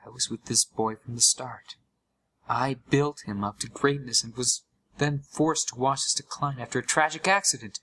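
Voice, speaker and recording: A man playing a haunted gamer, narrating a scripted horror story with deliberate, dramatic pauses full of dread. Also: mid-range voice, sharp tone. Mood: anguished.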